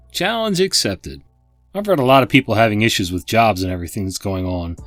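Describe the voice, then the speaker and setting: A man narrates stories in a lively voice that rises and falls freely. He breaks off now and then for casual remarks to his viewers, with soft music under him. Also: mid-range voice. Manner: animated storytelling, chatty asides to viewers. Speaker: host and narrator. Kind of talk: reading online stories aloud with asides.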